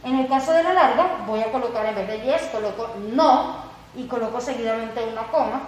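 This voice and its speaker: A woman English teacher explaining grammar to her class in Spanish, slowly modelling the English example sentences. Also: a little high, far from the mic. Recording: echoey room, voice somewhat off mic.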